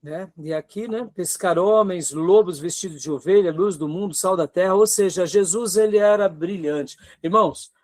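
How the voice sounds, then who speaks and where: A man's voice: high-pitched, moderate pace, hardly any pauses, darkish tone. A man with a Brazilian Portuguese accent giving an earnest seminary lecture, asking rhetorical questions and checking in with his students. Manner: earnest, exhorting, asks rhetorical questions, frequent tag questions. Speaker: seminary teacher.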